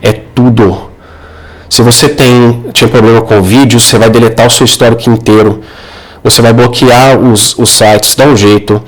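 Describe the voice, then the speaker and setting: A Brazilian man speaks in an informal religious advice monologue, his voice at an average male pitch. He is earnest and didactic, addressing the listener directly and seeking agreement with short tag questions. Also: fairly even intonation, normal speed. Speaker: Catholic advice video creator.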